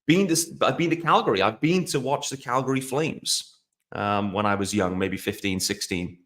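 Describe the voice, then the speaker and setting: A man's voice: lowish voice, normal speed, fairly bright tone. Rambling Welsh man hosting a podcast. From South Wales. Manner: rambling, conversational, self-deprecating. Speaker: podcast host. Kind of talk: casual solo podcast talk.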